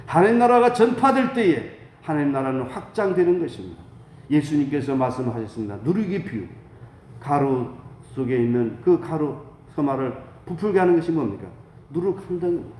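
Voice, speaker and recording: A pastor speaks a little fast in a slightly high, slightly mellow voice with lively intonation, fervently exhorting at a dawn prayer sermon. He poses rhetorical questions and supplies the answers, in an echoey room where faint noise can be heard.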